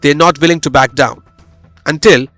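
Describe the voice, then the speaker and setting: A man's voice: on the high side, fairly even intonation, moderate pace, a bit bright, dry recording, faint music behind. A man reading a scripted news explainer as a voice-over, with a dramatic storytelling delivery, close on the microphone. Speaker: news narrator. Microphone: close studio voice-over microphone.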